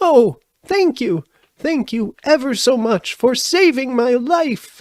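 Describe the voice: This put-on character voice is squeaky and fairly high in pitch. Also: fairly slow pace.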